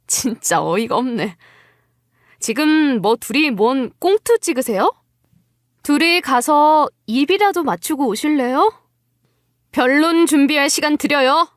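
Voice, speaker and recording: A high, expressive voice of a wronged young wife, acted by a woman in a dramatized story. She is coolly mocking and defiant, drawing out her sarcasm at an unhurried pace. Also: dry recording, clean studio sound. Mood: scornful. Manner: sarcastic, taunting.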